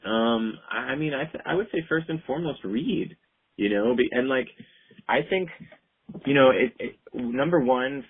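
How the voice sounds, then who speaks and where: A man's voice: sits low, slightly rough. A man, a clinical herbalist, talking as a guest over a speakerphone call in a rambling, easygoing way with lots of fillers. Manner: rambling, full of "like" and "you know". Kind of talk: casual interview talk. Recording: tinny phone line.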